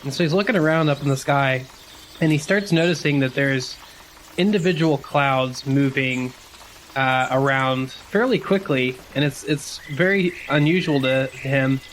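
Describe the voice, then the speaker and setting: A man's voice: mid-range voice, a little slow, slight background noise. A man playing a tabletop game, casually improvising what his character sees and does.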